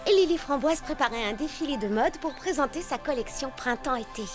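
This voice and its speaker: A woman's voice: sits high, expressive, fairly quick, music in the background. A woman playing a kindly grandmotherly storyteller, narrating a tale in a children's cartoon. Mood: fond, storytelling.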